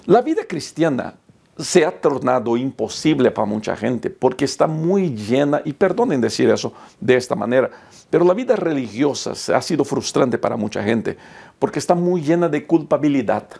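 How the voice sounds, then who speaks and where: A man's voice: mid-range voice, animated, normal speed, vocal fry, darkish tone, husky. A man in his thirties preaching a sermon as pastor, with impassioned emphasis that rises and falls.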